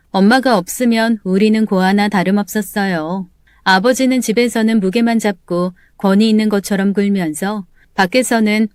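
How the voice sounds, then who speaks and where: A woman's voice: mid-range voice, darkish tone, smooth, no echo, clean studio sound. A woman in her thirties narrating her own story in the first person, telling it in a bitter, indignant way.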